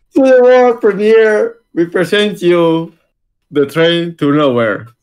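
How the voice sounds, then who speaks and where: Using a put-on character voice, the speaker moves at a fairly slow pace through very wide pitch swings. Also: man, high pitch for a man. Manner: dramatic announcing.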